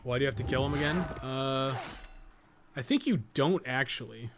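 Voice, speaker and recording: A man's voice: mid-range voice, normal speed, slight background noise. A man doing casual live gameplay commentary, thinking aloud and swearing freely as he plays. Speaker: game streamer and guide writer.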